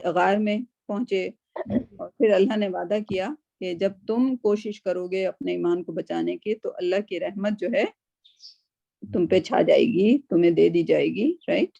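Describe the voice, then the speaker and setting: A woman's voice: fairly low pitch, fairly even intonation, creaky, mellow, dry recording, muffled recording. A woman teaching a Quran class over a video call, explaining patiently and often checking in with her students.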